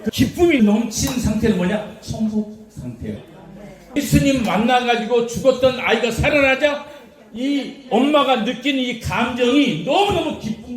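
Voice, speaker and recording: High-voiced animated man preaching. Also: reverberant. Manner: animated storytelling with laughter, asks the congregation questions. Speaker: pastor. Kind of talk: lively sermon.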